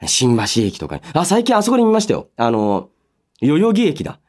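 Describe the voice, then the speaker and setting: A man hosting a solo radio show, chatting and reading listener mail in an animated way, slipping between polite announcing and casual asides. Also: a little high, normal speed. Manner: animated storytelling with sound-effect words and casual asides.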